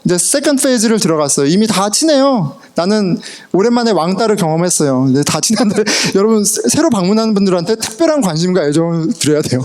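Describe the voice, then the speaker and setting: Animated Korean pastor, high and lively. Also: male voice, fast talker, hardly any pauses. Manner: animated storytelling, laughs often, mixes in English words. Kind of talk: sermon with personal stories. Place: church sanctuary.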